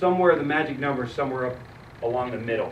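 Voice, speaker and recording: A man at a very fast pace with ordinary pitch variation, plus audible room echo and light background noise. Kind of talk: lecture. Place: meeting room. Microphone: camera far.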